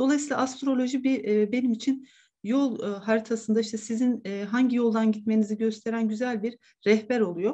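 In a quiet background, a woman talks at a fairly quick pace with a fairly high pitch, a dark, mellow, somewhat breathy tone and fairly even intonation. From Turkey, Ankara. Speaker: reiki and spiritual trainer; course instructor. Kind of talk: online lecture. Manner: halting, many filler sounds. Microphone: webcam.

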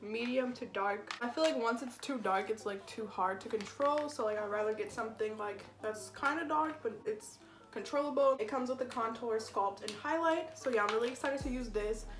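A woman at a fairly quick pace with ordinary pitch variation, against noticeable background noise. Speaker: beauty vlogger. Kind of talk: casual makeup tutorial chat. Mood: relaxed, excited. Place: home room. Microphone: camera far.

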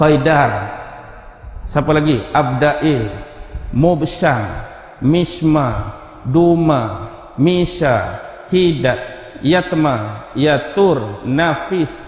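Speaking very slowly with long, frequent pauses, a man uses a fairly high pitch, ordinary pitch variation and very even loudness, with noticeable background noise and audible room echo. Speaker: Islamic preacher. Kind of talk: religious lecture. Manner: animated.

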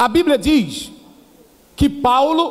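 A man speaks against a quiet background. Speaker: pastor. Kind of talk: sermon. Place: church. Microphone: handheld.

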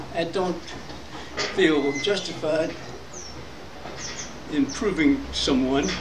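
Over noticeable background noise, a man talks in a fairly high voice at a very slow pace, with ordinary pitch variation and long, frequent pauses. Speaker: kukri enthusiast. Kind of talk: casual talk to camera. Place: garden. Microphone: camera far.

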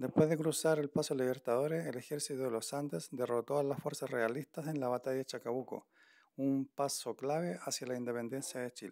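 A man's dark, mellow voice at a fairly quick pace, with ordinary pitch variation. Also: quiet background, dry sound with no echo. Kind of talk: casual vlog commentary. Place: open country. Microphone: phone near.

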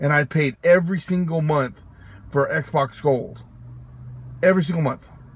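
A man's fairly high, somewhat breathy voice at a fairly slow pace, with ordinary pitch variation and a dry sound with no echo. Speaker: video blogger and gamer. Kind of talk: angry rant to camera, venting about a bad customer service call. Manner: indignant and heated, with stressed, emphatic swearing; casual, with many filler words and repeated phrases. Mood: annoyed, frustrated. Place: car. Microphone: phone near.

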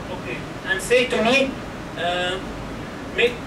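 Someone with an Arabic accent speaks at a fairly slow pace against noticeable background noise. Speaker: Wikipedia volunteer presenter. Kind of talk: conference presentation. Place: hall. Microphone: camera far.

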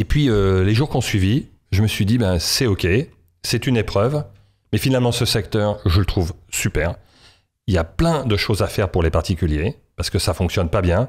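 Against a quiet background, a man with a fairly low, somewhat breathy voice speaks at a moderate pace with lively intonation, very even loudness and long, frequent pauses. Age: 50s. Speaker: entrepreneur, company founder; guest. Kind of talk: interview conversation. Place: studio. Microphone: studio mic.

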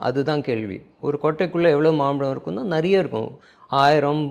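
Using a plain, everyday voice, a man talks at a fairly high pitch with ordinary pitch variation. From Mumbai, Matunga (Tamil community). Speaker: financial planning author and educator. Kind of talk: interview conversation.

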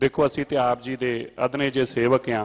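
A man speaks against a quiet background. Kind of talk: address to congregation. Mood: calm polite request. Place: church. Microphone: podium.

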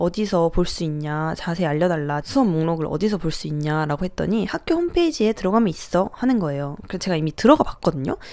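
A woman talks at medium pitch in an animated tone. Her intonation is lively, over a quiet background. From South Korea. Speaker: vlogger. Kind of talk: casual storytelling to camera; casual vlog chat. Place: home room. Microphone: handheld.

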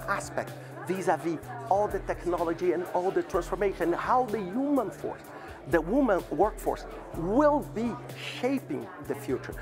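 A man talks at a moderate speed while music plays clearly behind him. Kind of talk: interview answer. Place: hall. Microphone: lapel.

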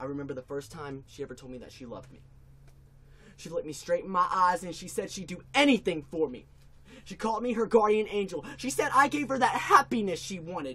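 Pitched high, a man races along at a very fast pace, his pitch swinging very widely and his loudness rising and falling sharply. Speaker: spoken word poet. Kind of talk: spoken word poem, confessional breakup monologue. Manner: raw, emotionally charged and regretful; building intensity, anguished outbursts. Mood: regretful, heartbroken. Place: garage. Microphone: webcam.

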